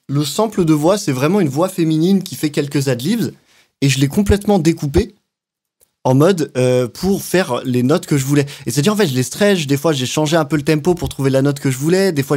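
A man giving a relaxed, slangy walkthrough of how he built a beat, now and then mouthing sounds and rhythms. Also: fairly high pitch. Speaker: music producer. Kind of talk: casual beatmaking walkthrough. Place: home studio.

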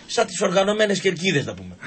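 A high-voiced man, heard over slight background noise, tells comic anecdotes as a radio show guest in the studio. It's casual storytelling, delivered with animation as he imitates the characters' voices.

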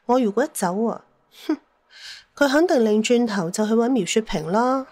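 A woman's voice: a little high, expressive, normal speed, a little mellow, no room sound. A middle-aged mother. She is shrewd, jealous and sentimental, pleading with theatrical sighs as in a radio play. The sound is close and dry. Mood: calculating, wistful. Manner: plaintive, theatrical, sighing. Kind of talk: Cantonese audio drama acting.

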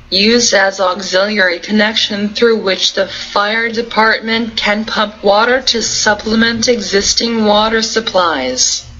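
A woman reading out a numbered list of technical interview questions and answers in a flat, even way. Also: mid-range voice, highs cut off.

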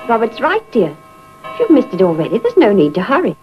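An actress playing a mild, coaxing middle-aged mother with a breathy voice, in 1940s British film style. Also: fairly high pitch, wildly swooping pitch, brisk, soft background music. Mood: soothing. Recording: muffled 1940s film soundtrack.

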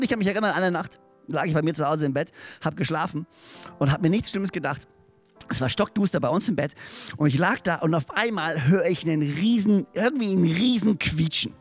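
Man, middle-aged, pastor, animated sermon, high voice, faint music behind. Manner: animated storytelling, often asks the listeners "okay?".

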